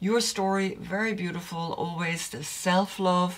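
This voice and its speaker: Slightly breathy, a woman talks with normal ups and downs in pitch. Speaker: tarot reader. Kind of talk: spiritual reading talk to camera. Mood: warm, calm, expressive. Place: home room. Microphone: phone near.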